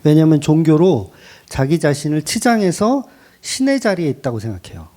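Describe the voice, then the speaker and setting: A man preaching a sermon as pastor, in an animated way with rhetorical questions and emphatic repetition. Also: a little high, moderate pace. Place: church.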